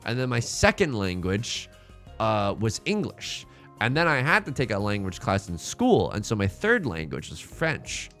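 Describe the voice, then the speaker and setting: A man's voice: on the low side, wildly swooping pitch, fairly bright tone, soft background music. A young man, a streamer whose first language is Mandarin, joking and swearing casually with his chat while playing a game, exhausted from a long day. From born in China, raised in the United States. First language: Mandarin Chinese. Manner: quick, joking and profane, talking to chat. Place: home streaming setup.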